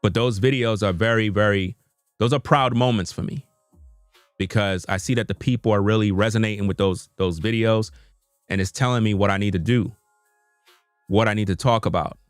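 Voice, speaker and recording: A man's voice: on the low side, fairly even intonation, normal speed, no room sound, soft background music. A man, talking to his viewers in an unscripted live stream from his computer, earnest and repetitive, with informal slang. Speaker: YouTube content creator. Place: home room at a computer.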